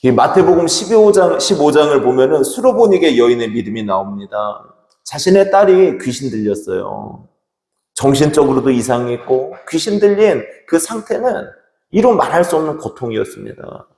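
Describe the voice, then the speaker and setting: Pastor preaching in an echoing church. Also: male voice, medium pitch, big pitch swings, normal speed. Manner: emphatic preaching, swinging from loud to hushed. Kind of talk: sermon. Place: church sanctuary. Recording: reverberant church hall.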